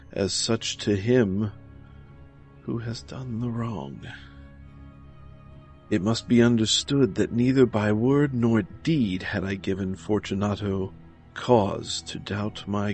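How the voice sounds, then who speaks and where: A man narrating gothic horror in a deliberate, brooding, theatrical way. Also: lowish voice, vocal fry.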